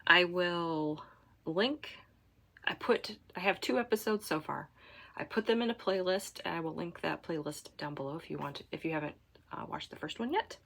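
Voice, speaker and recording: Stuffy-nosed lady chatting about knitting at home, lowish voice, rambly and easygoing. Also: normal speed, gravelly. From Michigan, USA. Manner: rambling and chatty, with fillers and soft trailing asides. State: congested. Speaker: knitting podcast host. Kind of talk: casual chat to camera.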